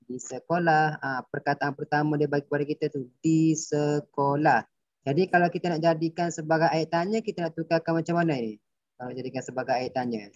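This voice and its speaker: A man's voice: on the high side, fairly even intonation, brisk, no echo. Malaysian male teacher, patient and repetitive, online lesson, dry lo-fi sound. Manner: patient, repetitive explaining, quizzing pupils. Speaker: primary school teacher. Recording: dull dry lo-fi recording.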